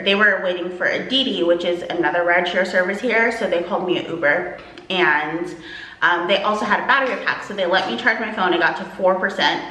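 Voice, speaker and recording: A woman's voice: mid-range voice, pushed and bright, reverberant, poor audio. A woman from Texas chatting casually to her vlog camera, rambling with lots of "like" and "um". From Texas, USA. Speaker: vlogger.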